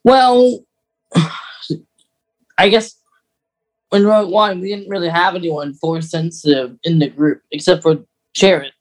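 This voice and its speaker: A podcast co-host with a medium-pitched voice talks casually. The delivery is that of a fan discussing a favourite story in relaxed conversation. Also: slow, pauses often, low-quality recording.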